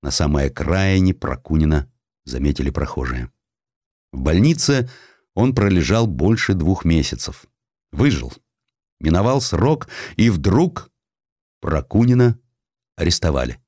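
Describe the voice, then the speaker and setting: A man reading historical sketches as an audiobook narrator, in an expressive, deliberate, dramatic storytelling style. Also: low voice, no room sound, clean studio sound.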